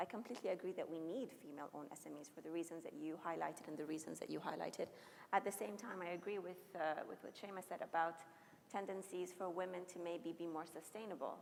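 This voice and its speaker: At a very fast pace, a woman speaks in a fairly low voice with ordinary pitch variation. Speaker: entrepreneur and panelist. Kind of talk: panel discussion.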